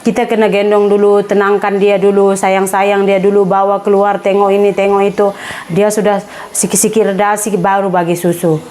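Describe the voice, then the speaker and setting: A woman's voice: mid-range voice, a little mellow, slight background noise. A woman chatting casually to camera as a vlogger, slipping English words into her talk.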